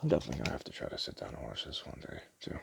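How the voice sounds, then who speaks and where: A man doing a casual, rambling ASMR roleplay, talking hesitantly and stumbling as he reads things out, in a very deep, gravelly voice. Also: rapid-fire, heavy background noise. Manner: casual, hesitant, stumbles over words and self-corrects. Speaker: ASMR roleplay performer playing a DVD store clerk.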